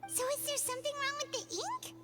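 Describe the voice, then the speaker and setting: Game role: a tiny excitable fairy girl, squeaky and lively. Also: brisk. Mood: eager. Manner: eager and excitable. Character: small, chirpy fairy-like girl companion. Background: game music.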